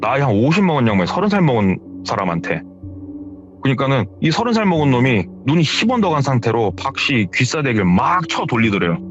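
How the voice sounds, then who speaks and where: A man's voice: medium pitch, fairly quick. A man retelling a listener's horror story, acting out the dialogue. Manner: animated, acts out dialogue. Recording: dull audio with background music.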